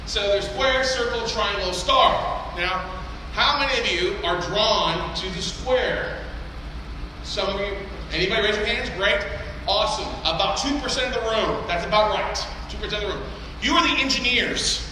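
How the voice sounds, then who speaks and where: Loud joking man on a conference stage. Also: high-pitched, normal speed. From Texas. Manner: loud, joking and brash, swears casually. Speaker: seminar speaker. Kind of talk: live seminar talk to an audience. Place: large conference hall. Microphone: handheld or stage mic through PA. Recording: echoey hall, noisy room.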